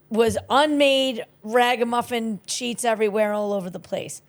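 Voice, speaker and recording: A woman in casual banter, talking in a teasing, argumentative way. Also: on the high side.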